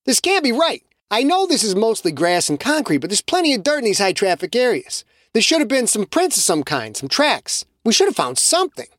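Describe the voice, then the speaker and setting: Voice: mid-range voice, wildly swooping pitch, brisk, hardly any pauses, a bit bright, dry recording, pitched above the performer's own voice. A narrator voicing an impatient young student who needles others with sarcasm, in a dry, close recording. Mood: puzzled.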